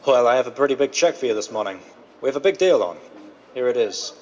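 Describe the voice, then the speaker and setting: A man playing a smooth but nervous crooked businessman in a 1930s style radio drama. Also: medium pitch, expressive, fast, slight background noise, natural voice. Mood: confident. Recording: dull band-limited vintage-style radio sound.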